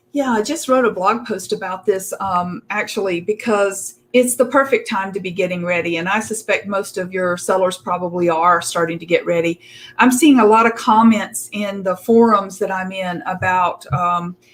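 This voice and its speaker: A woman with a Southern US accent speaks at a medium pitch and a moderate pace, with ordinary pitch variation and hardly any pauses. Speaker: e-commerce bookkeeper, author. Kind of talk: interview on a live web show.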